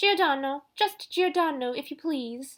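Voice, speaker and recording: A nasal, put-on character voice at a moderate pace. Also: woman, high pitch for a woman. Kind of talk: affected, fussy.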